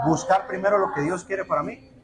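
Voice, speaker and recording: A man's voice: sits high, a little fast. Earnest man, heavy background noise. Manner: earnest, exhortative. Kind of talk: devotional reflection.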